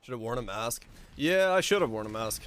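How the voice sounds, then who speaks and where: Hoarse man chatting while streaming. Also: medium pitch, lively intonation, fairly bright tone. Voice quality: raspy. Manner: rambling, halting, swears casually. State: hoarse, voice fading. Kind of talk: casual gaming stream commentary.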